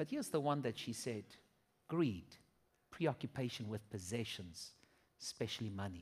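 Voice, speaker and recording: Speaking at a moderate pace with a South African accent, a man sounds somewhat breathy and leaves long, frequent pauses. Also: medium pitch for a man, lively intonation. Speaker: pastor. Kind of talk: sermon. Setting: church stage with audience.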